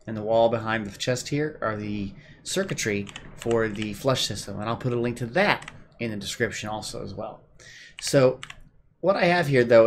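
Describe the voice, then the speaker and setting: A man hosting a gameplay video, calmly explaining his build step by step with plenty of "uh"s, while his voice is going a bit hoarse. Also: mid-range voice, a little hiss or hum. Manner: relaxed, explaining step by step with many "uh"s. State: losing his voice. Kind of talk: casual building commentary.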